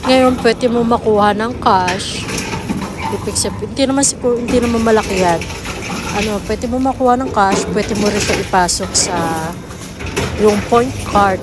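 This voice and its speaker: Casting: Filipino woman, mid-pitched, casual vlog narrator, clearly noisy recording. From Philippines. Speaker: family vlogger.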